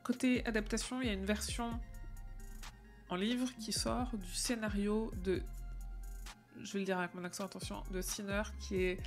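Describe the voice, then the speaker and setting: A woman's voice: mid-range voice, steady tone, normal speed, long pauses, faint music behind. A woman hosting a casual live stream, chatting with viewers and using plenty of fillers and restarts.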